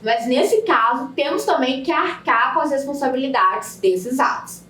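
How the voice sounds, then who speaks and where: A woman teaching a recorded video lesson, explaining words slowly and spelling out syllables. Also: high-pitched, expressive, fairly bright tone, slight background noise. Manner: slow, deliberate syllable-by-syllable explanation. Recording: echoey room, a bit distant from the mic.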